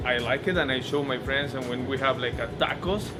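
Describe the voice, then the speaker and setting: A man speaks in a Mexican accent at a fairly high pitch, with ordinary pitch variation. Music plays in the background, and the room echo is audible. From Mexico, near Mexico City. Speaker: restaurant owner. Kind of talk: casual interview.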